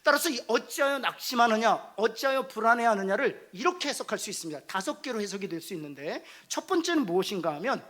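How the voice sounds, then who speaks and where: A man's voice: sits high, big pitch swings, fast, few pauses, a bit bright. A male pastor preaching a sermon, engaging the congregation with questions and calls to respond.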